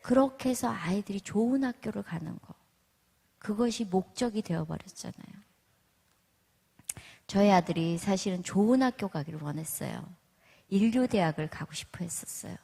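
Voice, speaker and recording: Husky woman giving a lively church testimony. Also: on the low side, normal speed. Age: middle-aged. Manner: lively storytelling, acting out other mothers' voices. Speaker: testimony speaker. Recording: echoey church hall.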